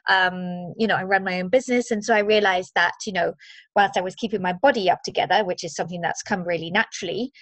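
A woman's voice: fairly low pitch, fairly even intonation, fast, no echo. Upbeat woman in her forties, dry sound. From Zimbabwe. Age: 40s. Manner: upbeat, chatty, many fillers. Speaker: guest, movement and mindset coach. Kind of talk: casual interview chat.

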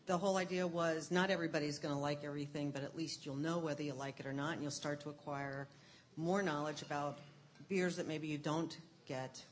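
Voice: medium pitch, fairly even intonation, a little fast, a little hiss or hum. A speaker who runs craft beer classes, explaining them earnestly in casual chat with some fillers.

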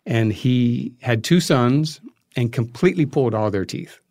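A man being interviewed as a guest, explaining history in a conversational, halting way as he thinks aloud. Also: mid-range voice, lively intonation, darkish tone, no room sound, clean studio sound. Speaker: interview guest, filmmaker and podcast creator.

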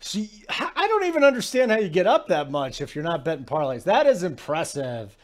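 Emphatic male sports-betting host, casual delivery, somewhat higher pitch. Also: big pitch swings, brisk. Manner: emphatic, keeps asking "okay?".

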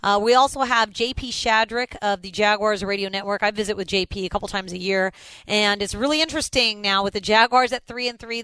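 Bright-voiced upbeat sports podcast host. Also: male voice, high voice, clean tone, dry recording, poor audio. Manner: upbeat, chatty, reads sponsor spots. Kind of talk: sports podcast interview and ad reads. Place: stadium.

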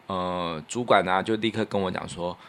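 A man with a fairly low voice and a Taiwanese Mandarin accent talks in a casual, reflective podcast style. He explains his thoughts humbly, playing himself down as he goes. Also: steady tone, moderate pace, fairly bright tone. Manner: modest, self-effacing. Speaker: podcast co-host, radio producer. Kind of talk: casual chat, reflective storytelling.

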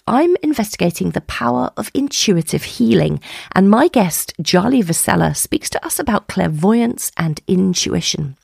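Woman podcast host, croaky and husky, very gravelly, dry close sound. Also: lowish voice, a little mellow, no room sound. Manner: chatty, laughs at her own slips. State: croaky from illness. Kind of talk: podcast intro and interview.

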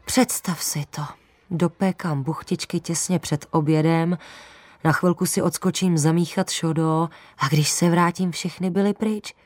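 A woman voicing a sad, kindly male school cook who talks softly. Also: on the low side, steady tone, no room sound, natural voice.

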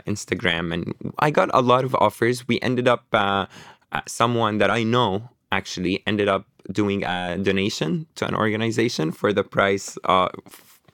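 A man with a very low voice talks through his stories in a relaxed, rambling way, stopping and restarting often. The recording is dry and close, with no room sound. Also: moderate pace, dry recording. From Lebanon. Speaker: author guest. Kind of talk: casual interview conversation.

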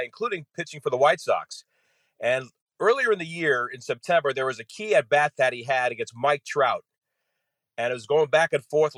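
A man's voice: medium pitch, a bit bright, no room sound. A man, a radio play-by-play announcer appearing as a guest, walking through a game in conversational detail with frequent "you know"s.

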